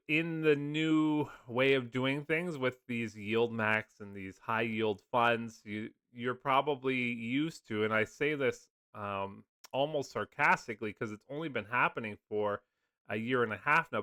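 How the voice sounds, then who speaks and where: A man's voice: mid-range voice, a bit bright, clear, resonant tone, dry recording, clean studio sound. A man, just over a cold, casually explaining funds in a loose, chatty video talk full of fillers. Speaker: finance video host. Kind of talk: casual screen-share explainer.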